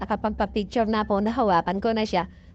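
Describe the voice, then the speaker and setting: Everything around her is quiet. The woman talks in a fairly high register. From Quezon province, Philippines. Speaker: vlogger. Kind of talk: travel vlog narration.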